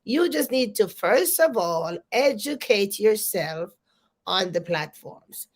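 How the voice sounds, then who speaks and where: A woman's voice: mid-range voice, lively intonation, slow. A woman hosting a live business coaching show, congested and talking energetically to her viewers, often repeating her greetings and questions. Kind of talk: live stream talk to viewers.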